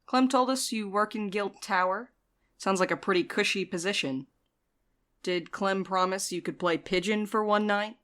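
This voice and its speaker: A woman's voice: medium pitch, moderate pace, a bit bright, natural voice. A woman playing a blunt, sardonic, protective courier with a dry delivery in an audio drama. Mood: suspicious, blunt. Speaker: voice actor.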